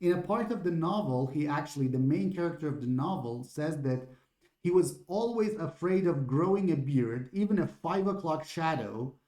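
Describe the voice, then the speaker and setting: Male lecturer with an Iranian accent, informal webinar, dark mellow tone, hesitant with fillers, roomy echo. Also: on the high side, expressive, normal speed. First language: Persian. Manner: thinking aloud with many fillers and restarts. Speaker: literature lecturer. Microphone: computer mic on a video call.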